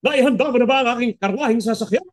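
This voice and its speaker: A man voicing an imperious king who loudly declaims a demand for his carriage, in radio drama style. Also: extremely high pitch, racing, pitched above the performer's own voice. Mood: imperious, shouting.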